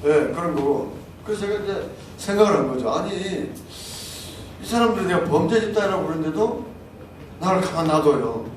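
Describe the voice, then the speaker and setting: A man's voice: high voice, animated, normal speed. An older man leading a civic group, giving an insistent speech that climbs into indignant outbursts. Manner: insistent, rising to shouted indignation. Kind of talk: speech to an audience. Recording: echoey, distant room mic with faint noise.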